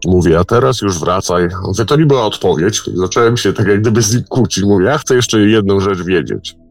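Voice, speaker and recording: A man telling a personal story in casual speech, halting, with repeated words and restarts. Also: on the low side, soft background music.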